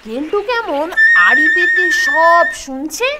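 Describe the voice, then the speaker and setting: A woman voicing a mischievous, playful schoolboy in a cartoon, excitable and cheeky. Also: very high voice, takes it slowly, heavily acted. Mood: playful, scheming. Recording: loud music behind.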